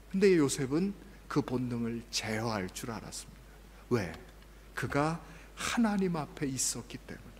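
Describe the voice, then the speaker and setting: Male pastor, sermon delivery, dramatic soft-to-loud swings, fairly high voice, long hall echo. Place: church sanctuary. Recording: long reverb of a church hall.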